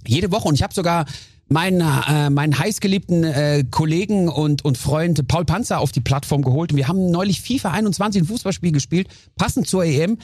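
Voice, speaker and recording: A man guesting on a podcast, telling lively stories in casual chat and briefly acting out his own outbursts. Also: fairly high pitch, brisk, no echo, studio quality.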